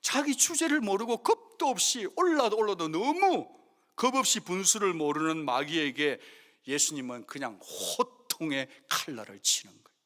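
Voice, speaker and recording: Pastor guy preaching, high pitched and swooping all over, echo of a big church. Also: big pitch swings, moderate pace. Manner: dramatic preaching, rising to shouted rebukes and dropping to hushed asides. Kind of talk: sermon. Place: church sanctuary. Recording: long reverb of a church hall.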